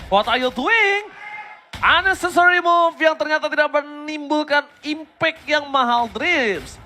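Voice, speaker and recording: High-pitched Indonesian male esports caster. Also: unhurried, faint music behind. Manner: dramatic calls rising into shouts, mixes English phrases into talk. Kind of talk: esports caster commentary of a mobile game match.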